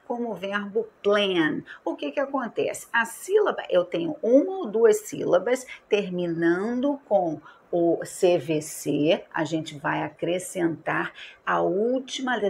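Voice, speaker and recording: Brazilian woman teacher, gravelly voice, asks herself questions while explaining, slight background hiss. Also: medium pitch. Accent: Brazilian Portuguese. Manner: asks rhetorical questions and answers them, stretches key words. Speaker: English teacher. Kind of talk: explaining grammar to students.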